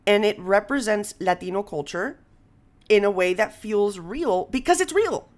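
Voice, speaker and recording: A woman's voice: mid-range voice, lively intonation, moderate pace. Casual woman podcast host, chatty. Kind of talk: casual conversational podcast talk.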